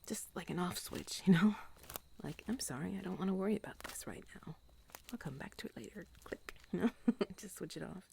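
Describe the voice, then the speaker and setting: A woman playing an affectionate, playful companion on a moonlit walk in an intimate ASMR role-play, with a soft, breathy voice. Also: on the low side, fairly quick, slight background noise. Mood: gentle, reflective.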